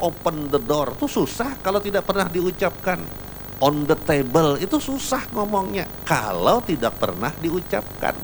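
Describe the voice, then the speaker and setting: A man's voice: mid-range voice, slight background noise, poor audio. A man giving a religious lecture, emphatic and repetitive as he tells everyday anecdotes. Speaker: preacher.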